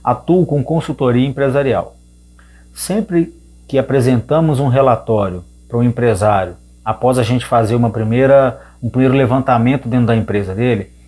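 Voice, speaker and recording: A man's voice: medium pitch, a little mellow, breathy edge. A man from Belo Horizonte with a Minas Gerais accent, a business consultant formally reading out a prepared question. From Belo Horizonte, Brazil. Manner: formal, composed.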